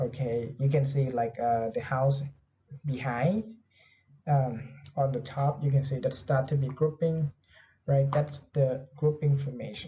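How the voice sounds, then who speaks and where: A man speaks fairly slowly, leaving long, frequent pauses. His fairly high voice is somewhat breathy, with a dark, mellow tone and fairly even intonation. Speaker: teacher. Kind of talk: online lecture. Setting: recorded online class alone.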